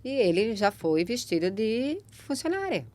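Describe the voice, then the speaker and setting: A woman's voice: fairly high pitch, big pitch swings, unhurried, darkish tone. Brazilian woman hosting an upbeat interview. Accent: Brazilian Portuguese. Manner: emphatic, encouraging, tag questions. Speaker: podcast host. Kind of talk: conversational interview.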